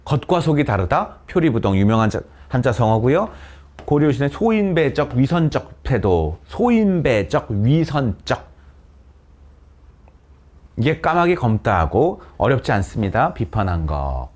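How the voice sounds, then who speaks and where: A man's voice: mid-range voice, big pitch swings, measured pace, a little mellow. A man teaching a class of students, often asking them questions and then answering himself. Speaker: Korean literature teacher. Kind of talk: classroom lecture. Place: cram school classroom with students present.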